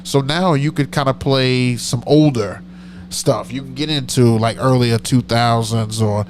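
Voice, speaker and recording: A man's voice: medium pitch, fairly even intonation, unhurried, slight background noise. A middle-aged man with a nasal voice, hosting a live stream as a DJ, chatting casually and rambling as he answers comments. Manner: rambling, self-correcting, chatty.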